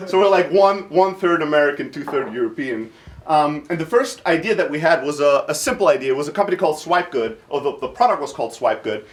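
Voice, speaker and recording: Man, thirties, fairly high voice, blunt and self-deprecating, jet-lagged, informal startup founder presenting a workshop. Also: animated, quick pace. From Greece, raised in southern Germany. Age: 30s. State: jet-lagged, short of sleep.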